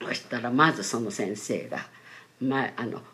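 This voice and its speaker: A middle-aged woman giving a personal Christian testimony in a gentle, polite storytelling manner, acting out the people she quotes. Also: a bass voice, normal speed. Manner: animated storyteller who voices quoted family members; gentle, pads phrases with polite sentence tags. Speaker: church testimony speaker.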